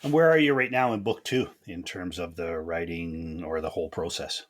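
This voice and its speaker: A man's voice: sits low, normal speed. A man hosting a podcast, asking questions in an easygoing, chatty way. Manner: easygoing, chatty, laughs along. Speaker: podcast host. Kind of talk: casual interview chat.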